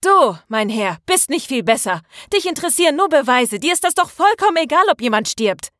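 A woman's voice: medium pitch, lively intonation, a little fast, no echo, clean studio sound, voice pushed up, natural voice. A woman voicing a passionate, stubborn young female student in an audiobook, indignant and emphatic. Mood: furious. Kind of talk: dramatized audiobook dialogue.

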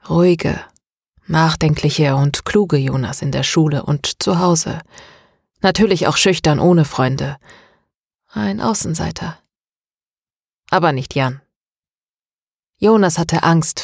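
A woman voicing a calm, tired middle-aged man confessing his past, in an audiobook. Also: sits low, no echo, studio quality, heavily acted. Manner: calm, even and measured.

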